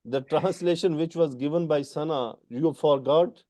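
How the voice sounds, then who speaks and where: A man's voice: fairly high pitch, moderate pace, dark tone. A man whose first language is Urdu, with a South Asian accent, teaching Quran grammar in an online class and patiently correcting students. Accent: South Asian English. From Pakistan or India. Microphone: video call.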